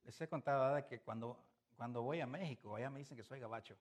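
Preaching man with a Mexican accent. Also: quick pace. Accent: Mexican Spanish. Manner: swings from loud emphatic bursts to soft low asides; chuckles through personal stories. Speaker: pastor. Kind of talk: sermon.

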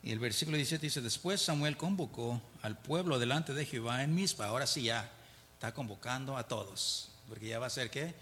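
A mid-range male voice, fairly quick and sharp in tone, leads a conversational Bible study. He reads verses, explains them, and keeps checking on his listeners with "¿verdad?", chuckling between points. The room is a reverberant hall, and there's slight background noise.

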